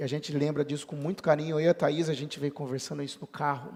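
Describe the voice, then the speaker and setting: A man rattles along at a very fast pace while noticeable background noise fills the recording. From interior of São Paulo state, Brazil. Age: 40s. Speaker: pastor. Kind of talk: sermon. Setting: church.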